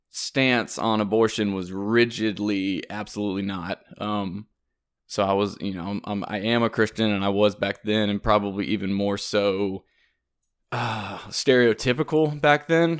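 Speaking at a fairly slow pace with a Southern US accent, a man with a fairly low pitch and ordinary pitch variation comes through in a very clean recording with a silent background. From US South. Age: 30s. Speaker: guest sharing abortion experience. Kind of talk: testimony.

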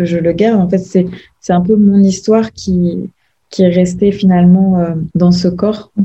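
A woman speaks very slowly in a dark, mellow tone. Her voice is somewhat breathy. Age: 30s. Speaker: image coach and influencer. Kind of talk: podcast interview.

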